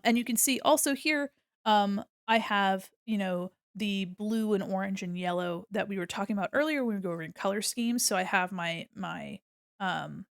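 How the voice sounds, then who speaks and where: A woman's voice: medium pitch, no room sound. Sniffly woman explaining art, dry close sound. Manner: chatty, many ums and restarts, explaining while drawing. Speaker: streamer giving art critique. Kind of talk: casual art tutorial walkthrough.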